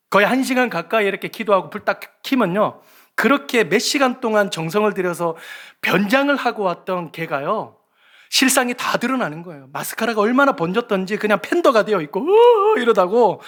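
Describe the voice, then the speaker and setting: A male pastor giving a lively sermon, telling stories and acting out the voices of children and teachers. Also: high-pitched. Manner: animated, acts out children's voices and shouts. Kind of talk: sermon with storytelling. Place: church sanctuary.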